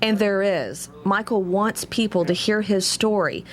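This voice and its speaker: A woman's voice: mid-range voice, a little slow, music in the background. A woman working as a television news reporter, delivering scripted narration and questions for a human-interest story.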